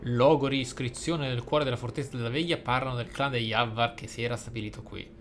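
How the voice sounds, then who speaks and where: A man with a mid-pitched voice reads journal text from a video game aloud. His delivery is measured and a touch theatrical, like a gaming YouTuber in a roleplay playthrough. Light game ambience noise sits behind him. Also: steady tone.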